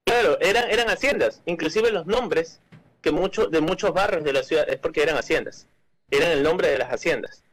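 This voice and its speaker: A man's voice: a little high, brisk, poor audio. An Ecuadorian man answering interview questions as a cultural manager, often hesitating, restarting and repeating words.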